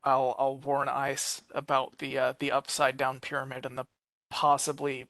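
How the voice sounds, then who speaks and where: A man's voice: medium pitch, monotone, moderate pace, gravelly, pushed and bright. A tired man playing a tabletop game, stammering and repeating words. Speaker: player. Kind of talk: casual game table chat.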